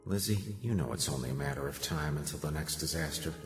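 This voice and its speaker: An actor playing a calm dead man who lingers on, speaking quietly and tenderly in an audio drama. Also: very deep voice, fast talker, faint music behind. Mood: gentle, resigned. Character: calm dead man, a lingering ghostly presence, gently resigned. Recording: long hall-like reverb.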